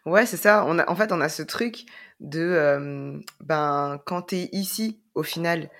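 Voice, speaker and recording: A young woman hosts a casual podcast in a lowish voice. She tells stories with energy. She acts out the back-and-forth of conversations as she goes. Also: a little slow. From Brussels, Belgium. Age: young adult. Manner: lively storytelling, acting out exchanges. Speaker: podcast host.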